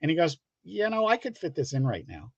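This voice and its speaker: A man's voice: fairly high pitch, huge pitch swings, brisk, vocal fry, husky. Dull, roomy-sounding man telling stories casually. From United States, Pittsburgh area. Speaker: guest comic book creator. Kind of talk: casual anecdotal chat. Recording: dull lo-fi, roomy call audio.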